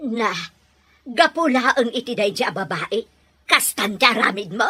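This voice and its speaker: An actress playing a stern, resentful mother in a radio drama, nagging and exasperated, with a husky voice and Filipino Ilocano accent. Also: fairly high pitch, lively intonation, normal speed, pushed and bright, exaggerated voice. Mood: scornful.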